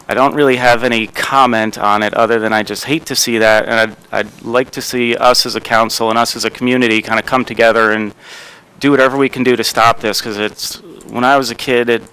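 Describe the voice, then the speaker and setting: A man serving as mayor, giving rambling remarks at a township council meeting with many pauses and fillers. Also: on the low side, fairly even intonation, pushed and bright, clear, resonant tone, low-quality recording. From New Jersey. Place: council chamber.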